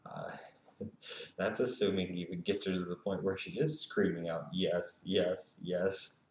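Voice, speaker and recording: A man hosts a casual Q&A, reading out viewer questions and cracking jokes with frequent laughter. His voice sits a little low. It rings with the echo of the room around him. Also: normal speed, gravelly, slight background noise. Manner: joking, laughing, mocking. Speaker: host. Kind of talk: casual Q&A commentary.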